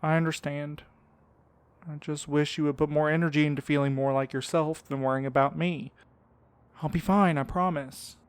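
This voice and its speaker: Male actor as anxious devoted man, smooth clear voice, close dry sound, earnest, hesitant, audio drama. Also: a little high, fairly even intonation, normal speed, dry recording, lightly acted. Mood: earnest, guilty. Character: anxious, caring young man, devoted partner. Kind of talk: fiction podcast acting.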